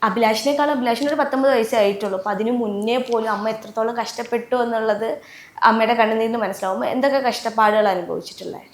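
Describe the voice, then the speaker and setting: Higher-voiced woman interviewer, echoey room. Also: fast. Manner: echoes the answers and asks short follow-up questions. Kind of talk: conversational interview.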